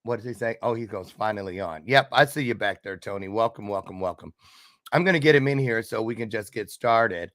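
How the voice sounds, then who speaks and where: A man's voice: lowish voice, a little fast, fairly bright tone, dry recording. Guy hosting a casual video chat show, teasing his guest, dry close sound. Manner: teasing, playful questions. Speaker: show host. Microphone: video call.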